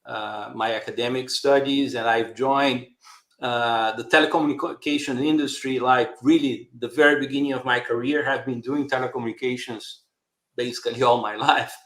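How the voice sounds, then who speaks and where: A man's voice: mid-range voice, fairly even intonation, normal speed, a bit bright. A man from Brazil with a Brazilian accent, answering interview questions conversationally and hesitantly, often tagging his phrases. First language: Portuguese. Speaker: interview guest, telecom marketing director. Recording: echoey room sound.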